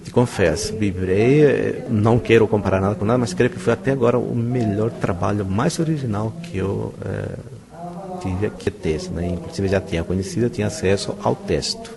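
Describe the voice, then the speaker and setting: A man's voice: lowish voice, brisk, vocal fry. A middle-aged Brazilian man, a professor, answering interview questions in an enthusiastic, emphatic way with rhetorical questions. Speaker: university professor being interviewed. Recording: crowd chatter around the voice. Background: crowd chatter.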